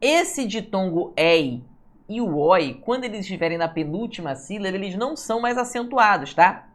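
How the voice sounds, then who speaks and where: A woman, teaching Portuguese for civil service exams and going through answers, often checking in with her students and drawing words out when she stresses a rule. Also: medium pitch. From Brazil. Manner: lively, stretches words slowly when stressing a rule, asks "tá, pessoal?". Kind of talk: online exam-prep lesson going through answers.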